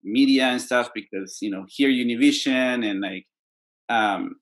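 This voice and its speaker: A man's voice: mid-range voice, measured pace. A man in casual conversation, speaking hesitantly with many fillers and a reflective tone.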